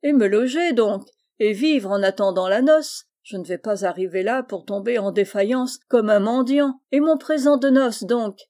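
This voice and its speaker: A woman's voice: on the high side, moderate pace, hardly any pauses, mellow, close to an everyday voice. A woman reading the part of a hearty, generous older male farmer in a storybook, jovial and exclaiming.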